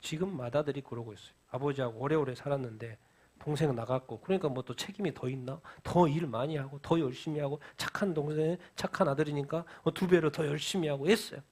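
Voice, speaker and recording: Korean pastor preaching, raised voice. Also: male voice, a little high, fast. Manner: asks the congregation questions and answers them himself; acts out quoted lines in a loud heated voice. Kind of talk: sermon.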